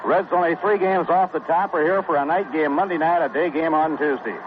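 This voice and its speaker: A baseball radio announcer, male, keeps an even tone and a brisk pace as he calls the game and recites stats between pitches. The recording is a tinny, noisy 1960s AM radio broadcast.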